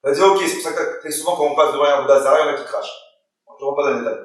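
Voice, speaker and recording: A man's voice: on the high side, very fast. A man, a rabbi, telling a story during a Torah lesson to listeners, voicing the people in it and putting questions to the room. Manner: retells the story with quoted dialogue and questions to listeners. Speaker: rabbi teaching a Torah class. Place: hall or study room with listeners. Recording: very echoey room, voice far from the mic.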